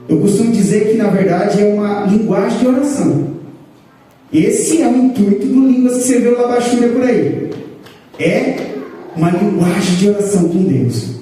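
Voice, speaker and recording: High-voiced Brazilian pastor in an echoey hall. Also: male voice, mellow. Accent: Brazilian Portuguese. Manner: explanatory, rises in pitch to stress points, addresses congregation as brothers. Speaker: pastor teaching a church class. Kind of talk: teaching sermon. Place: church hall. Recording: echoey hall, picked up from a distance.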